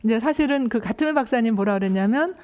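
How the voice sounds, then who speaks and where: Lively woman lecturer telling a story. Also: a little high, fast talker. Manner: lively storytelling, acting out quoted voices. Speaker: parent education lecturer. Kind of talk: lecture with anecdotes.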